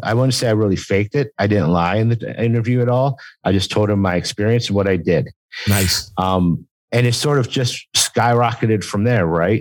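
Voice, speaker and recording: A man's fairly low voice with an American accent, fairly quick, ordinary in pitch variation and very even in loudness, on a very clean recording with a silent background. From US Midwest, Chicago. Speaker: UX professional and former adjunct professor. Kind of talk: casual interview conversation. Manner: thoughtful, neutral, measured.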